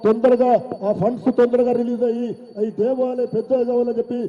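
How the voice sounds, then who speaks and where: Very high, imploring man with Telangana accent. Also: monotone, quick pace. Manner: formal, imploring. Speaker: devotee petitioning the oracle. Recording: dull, reverberant hall sound.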